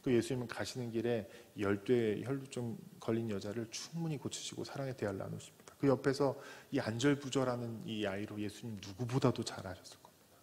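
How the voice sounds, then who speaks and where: A man, a pastor, preaching a sermon who acts out the voices in the story, from loud cries to soft whispers. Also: medium pitch. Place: church sanctuary. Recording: church hall with long reverb.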